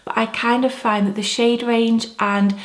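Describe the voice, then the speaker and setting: A woman's voice: a little high, level tone, unhurried. A young woman vlogger reviewing makeup to camera in a chatty, gushing way, her voice a bit stuffy from a cold. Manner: chatty, gushing, rambling asides. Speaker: beauty vlogger. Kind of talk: casual product review to camera. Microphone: camera mic.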